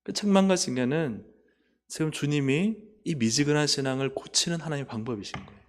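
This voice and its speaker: A pastor preaches a fairly quick sermon in a church sanctuary, posing questions to the congregation and answering them himself. His delivery swings between loud exhortation and soft, low asides.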